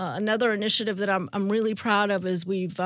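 A woman's medium-pitched voice, a normal speaking voice with fairly even intonation, on a very clean recording with a silent background. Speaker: county sheriff. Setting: studio.

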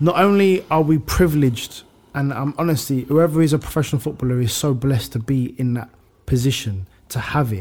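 Here a man talks at a fairly quick pace with a fairly high, somewhat breathy voice and ordinary pitch variation. The recording is very clean, the background silent. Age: 30s. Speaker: former footballer and boxer. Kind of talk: casual interview chat.

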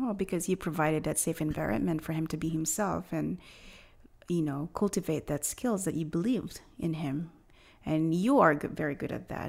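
A woman speaks at a moderate pace. Her voice is very deep and low, with vocal fry. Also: ordinary pitch variation. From immigrant to Canada. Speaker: podcast host. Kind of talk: interview.

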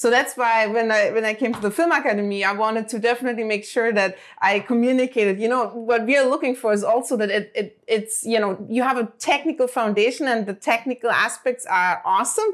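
Over a very clean recording with a silent background, a woman with a German accent talks at a very fast pace and a fairly high pitch, with very even loudness and hardly any pauses. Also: ordinary pitch variation. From Germany. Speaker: animation rigging artist and studio head. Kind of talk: casual interview chat. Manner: hesitant, many fillers.

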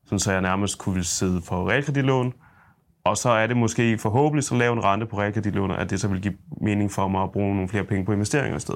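This man's voice sits fairly low, with pitch that varies in an ordinary way. He talks very fast on a very clean recording where the background is silent. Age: 30s. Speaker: journalist and podcast host. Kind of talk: casual interview.

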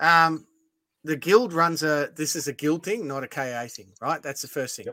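Speaking with an Australian accent at a moderate pace, a man has a fairly high pitch, a bright, sharp tone, ordinary pitch variation and big swings in loudness. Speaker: podcast host. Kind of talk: casual chat. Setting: video call.

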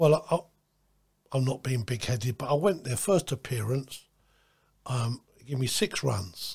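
Slow-paced and somewhat breathy, a man speaks at a medium pitch with lively intonation and long, frequent pauses. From South London, Tooting. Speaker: veteran taxi driver. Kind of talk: casual chat. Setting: studio.

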